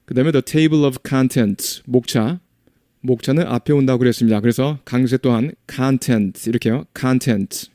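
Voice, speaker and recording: A man giving a vocabulary lesson in a mellow, relaxed voice. He reads example sentences slowly and then works through what each word means. The recording is dry and close. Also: medium pitch, dry recording. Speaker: English teacher.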